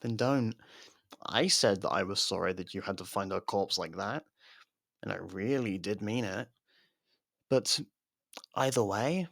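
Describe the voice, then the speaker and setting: A man's voice: on the low side, gravelly, fairly bright tone, no echo, clean studio sound, heavily acted. A man acting out a sardonic, taunting, casually profane imprisoned murderer in an ASMR roleplay. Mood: mock offended. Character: sardonic imprisoned murderer reluctantly partnered with a detective.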